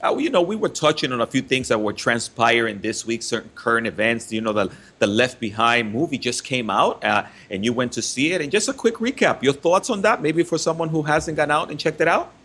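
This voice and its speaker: A man's voice: medium pitch, animated, brisk, few pauses, fairly bright tone. A man from the Dominican Republic hosting a Christian radio talk show, upbeat and chatty with frequent fillers.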